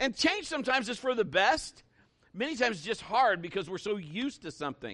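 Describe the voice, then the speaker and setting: A man speaks in a raised, projected voice with a bright, sharp tone at a moderate pace. His pitch swings very widely against a quiet background. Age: 50s. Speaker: pastor. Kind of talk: sermon.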